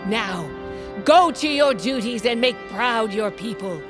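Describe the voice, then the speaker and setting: An imperious tribal queen of a wolf clan, with a fairly high voice. She is stern and formal, declaiming every line like a ruler in a fantasy audio drama, with clear music behind her. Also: expressive, measured pace. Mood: rousing oration.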